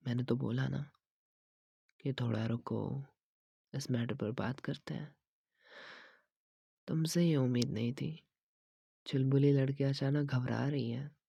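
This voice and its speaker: Whispered role-play: man as a teasing young gym trainer, husky and slow, soft coaxing delivery. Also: steady tone, dry recording, exaggerated voice. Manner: soft, coaxing, teasing with frequent low laughs; mixes Hindi and English phrases. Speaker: ASMR creator.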